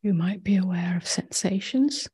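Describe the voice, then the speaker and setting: A female meditation teacher guides a meditation in a soft, breathy near-whisper, speaking gently and leaving long pauses. Her pitch is medium.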